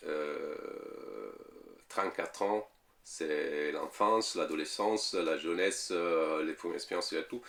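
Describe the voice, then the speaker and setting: A man's voice: rumbling low, slow pace, creaky, fairly bright tone. A man in his thirties from Italy, speaking French with an Italian accent, answering interview questions hesitantly with many fillers and repeated words. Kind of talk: casual interview talk.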